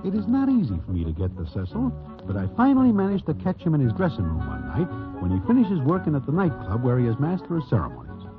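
A formal, wry narrator, voice sits a bit high, phone-thin old radio. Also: male voice, wildly swooping pitch, fast talker. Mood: narrating. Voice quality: formal, avoids contractions. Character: wry Broadway narrator, talks in the formal present tense. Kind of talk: 1940s radio acting. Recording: tinny old radio broadcast with music.

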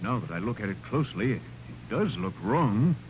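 An actor playing a fussy family lawyer in a 1940s radio drama, formal, measured and courteous. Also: male voice, lowish voice, big pitch swings. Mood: troubled, courteous. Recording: noisy 1940s radio recording.

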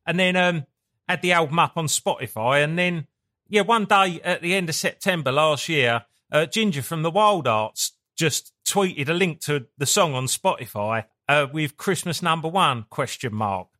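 Essex bloke being interviewed, sweary and rambly, bright voice a bit on the high side. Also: male voice, lively intonation, moderate pace. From Essex, England. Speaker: guest, punk band singer. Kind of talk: casual interview chat.

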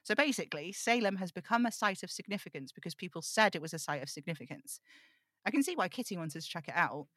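A woman's voice: on the low side, animated, fast, a bit bright, dry recording. A woman playing a rambling, fretful young amateur occult investigator in an audio drama table read, chatty and self-interrupting, confiding in her listeners. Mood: curious, muttering.

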